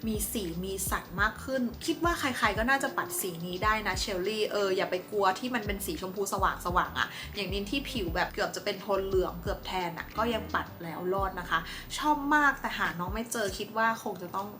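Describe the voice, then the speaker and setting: A woman's voice: mid-range voice, fairly quick, hardly any pauses. A woman chatting casually as a beauty vlogger, reviewing makeup in a playful way and tossing in mock-dramatic asides. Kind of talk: casual product review chat. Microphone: compact camera mic.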